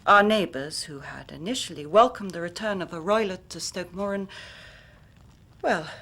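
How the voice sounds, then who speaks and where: An actress playing a grave young Victorian woman who tells her story in measured, formal speech, sometimes dropping to a hushed whisper. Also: lowish voice. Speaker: client telling her story. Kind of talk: period radio drama acting.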